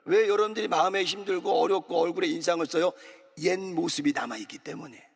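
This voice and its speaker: A man's voice: high-pitched, fast, creaky, slightly rough. A man preaching an early morning sermon as pastor, exhorting the congregation and calling for amens and repeated phrases. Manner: exhorting, calls for amen and repetition. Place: large church sanctuary. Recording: long church hall reverb.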